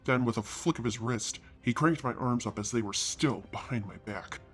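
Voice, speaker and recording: A man narrates a fantasy story in the first person, his voice husky and middle-pitched. He reads earnestly and pushes hard into anger when the hero speaks. Soft music drifts faintly beneath him. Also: normal speed. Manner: earnest reading that rises sharply into shouted anger for the hero's lines. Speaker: story reader.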